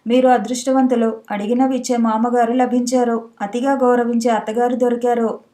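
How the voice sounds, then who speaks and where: A woman's voice: on the high side, flat delivery, normal speed, warm tone, lightly acted. A woman voicing a proud, angry young wealthy wife in a storybook reading, with a haughty, scornful manner. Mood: bitter.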